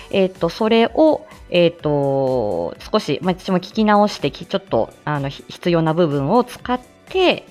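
A woman hosting a casual solo live stream, chatting in a relaxed way, filling pauses with small hesitations, laughing lightly, and greeting listeners by name. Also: on the low side.

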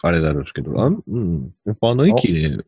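A low, husky male voice that swings widely in pitch as he rambles through a casual podcast chat. He fills his talk with hesitations and trailing asides. The sound is dry and a bit dull, like a lo-fi home recording. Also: huge pitch swings, fast, no echo. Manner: rambling, hesitant, many fillers. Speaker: podcast host.

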